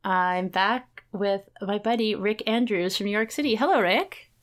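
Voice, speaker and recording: A woman hosting a podcast in casual chat, self-deprecating and quick to laugh. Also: mid-range voice. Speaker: podcast host.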